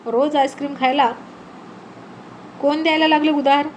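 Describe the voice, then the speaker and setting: A woman voicing a spiteful, lying village woman who throws shrill accusing taunts. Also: steady tone, brisk, a bit bright, slight background noise. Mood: taunting.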